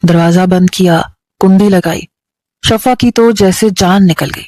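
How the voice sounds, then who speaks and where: A woman storyteller with a Pakistani Urdu accent reading a dramatic story in a steady, emotive way. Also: on the low side, no echo.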